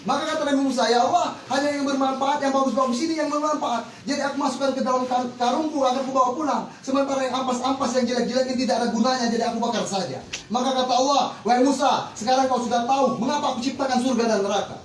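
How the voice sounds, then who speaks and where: A man's voice: extremely high pitch, steady tone, very fast, few pauses. A man preaching a Muslim sermon, exhorting listeners with rhetorical questions. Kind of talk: religious sermon to an audience. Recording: echoey, distant mic with faint noise.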